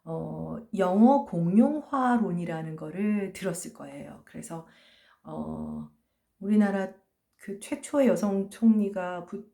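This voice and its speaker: A woman teaching a phonology lecture. She explains patiently, asks questions and answers them herself, and says sounds slowly to show them. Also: on the low side, very animated, creaky, mellow. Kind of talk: recorded online lecture.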